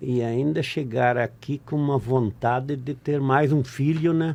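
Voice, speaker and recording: Against a quiet background, the man's voice carries a dark, mellow tone. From Paraná, Brazil (western, Marechal Cândido Rondon area). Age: 60s. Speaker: cooperative executive. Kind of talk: radio interview.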